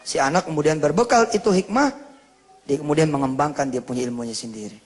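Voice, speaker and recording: A man delivers a storytelling sermon, lively acting out the dialogue as he tells it. His voice is fairly high, fast, and husky, and the recording has a reverberant hall sound.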